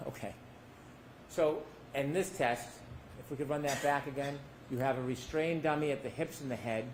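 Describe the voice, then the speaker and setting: A male defense attorney cross-examines pointedly in a courtroom recording, firing leading questions with tag endings. His medium-pitched, mid-range voice moves at a moderate pace over a noisy background.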